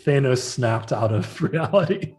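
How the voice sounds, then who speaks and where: A man co-hosts a live stream in easy, casual chat, laughing often and reading viewer comments aloud. His voice sits at a middle pitch. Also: expressive, unhurried, darkish tone. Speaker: livestream co-host.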